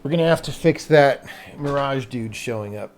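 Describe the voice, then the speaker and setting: A man's voice: mid-range voice, moderate pace, a little mellow, faint music behind. A man live streaming as he programs a game, thinking aloud casually in short fragments, blunt and sardonic, with casual swearing. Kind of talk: casual off-the-cuff coding commentary.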